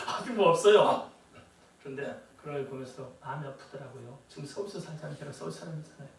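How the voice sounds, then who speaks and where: A middle-aged male pastor delivers his sermon in an easy, conversational way, tossing rhetorical questions at the congregation. His voice sits a little high for a man and comes from some distance off the microphone, heard in an echoey church sanctuary. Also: normal speed, gravelly, a little hiss or hum.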